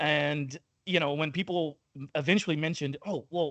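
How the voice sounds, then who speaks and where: With an American accent, a man talks at a moderate pace in an unremarkable speaking voice, his pitch fairly high, the sound dry and close with no echo against a quiet background. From Oklahoma. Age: 40s. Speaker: podcast host, personal trainer. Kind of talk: casual interview chat.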